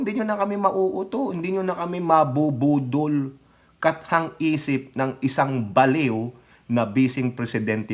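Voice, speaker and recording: A man giving casual political commentary as a vlogger, sarcastic and mocking, laughing often and speaking straight to his viewers. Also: mid-range voice. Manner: addresses viewers directly as countrymen.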